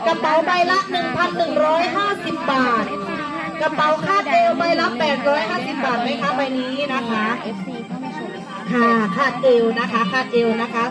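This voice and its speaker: A woman's voice: sits high, moderate pace, poor audio. A woman hosting a live fashion show as a seller, hyping the items and repeating prices and praise. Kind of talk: live fashion show commentary selling products. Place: busy live community event. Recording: loud music and crowd, event PA.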